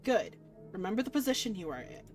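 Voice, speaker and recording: A woman's voice: medium pitch, big pitch swings, fast, a little mellow, soft background music, lightly acted. A woman voicing a cold, aloof god in a visual novel, speaking in a curt and imperious way. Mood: stern, threatening. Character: cold, commanding, aloof young god of Limbo.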